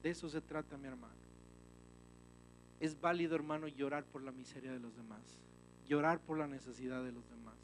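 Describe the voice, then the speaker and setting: A man's voice: medium pitch, fairly even intonation, a little fast, pauses often, slight background noise, low-quality recording. Emphatic male pastor preaching. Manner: emphatic, with swings from loud to hushed; often addresses listeners as "hermano". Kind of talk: sermon.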